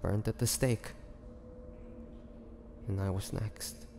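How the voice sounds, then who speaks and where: A man playing a weary, bitter young half-vampire prisoner in a dramatic audio roleplay, speaking haltingly and sorrowfully. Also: lowish voice, steady tone, vocal fry. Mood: somber, grieving. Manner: slow, halting, sorrowful delivery with sighs and pauses. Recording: long hall reverb, faint noise.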